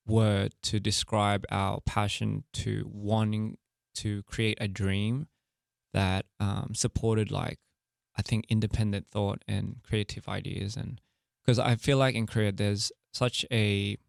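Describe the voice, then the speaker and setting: Gravelly low-voiced young man, casual. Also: a little slow, no room sound, studio quality. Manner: relaxed and candid, many fillers and laughs. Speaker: interview guest, music artist and director. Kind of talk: casual interview chat.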